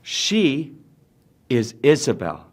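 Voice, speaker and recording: A male teacher from the United States leading an English class, speaking slowly and deliberately and repeating words for his students. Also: mid-range voice, wildly swooping pitch. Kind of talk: slow classroom drill.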